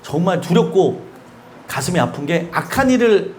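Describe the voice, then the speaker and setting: A male pastor delivers a sermon in a church. His voice sits unusually high and swings widely in pitch. He keeps asking the congregation questions and laughs between points. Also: very animated, normal speed, darkish tone, a little hiss or hum. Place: church sanctuary.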